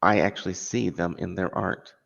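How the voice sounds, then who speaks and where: Low gravelly guy hosting a chat, telling little stories, reverby muffled audio. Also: fairly even intonation, normal speed, a bit bright. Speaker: podcast host. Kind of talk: casual interview chat. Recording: dull lo-fi audio with long reverb.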